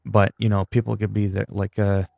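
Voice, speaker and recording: Low, gravelly Canadian man rambling on stream. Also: level tone, a little fast, a little mellow, no echo. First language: French. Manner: self-deprecating, salty, swears freely. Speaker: livestreamer. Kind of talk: casual rambling livestream chat.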